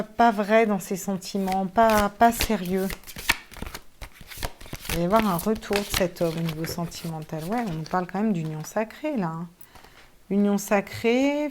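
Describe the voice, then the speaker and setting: A woman's voice: mid-range voice, darkish tone, slight background noise. A woman giving a casual tarot reading to viewers, chatty and thinking aloud, with some casual swearing. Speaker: tarot card reader.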